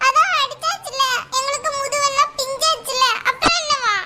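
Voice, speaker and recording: A woman's voice: very high voice, moderate pace, very noisy. A woman voicing a cheeky, mouthy schoolgirl who talks back to her teacher with teasing sass. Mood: sassy. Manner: sassy, teasing. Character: cheeky mouthy girl pupil. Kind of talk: cartoon voice acting.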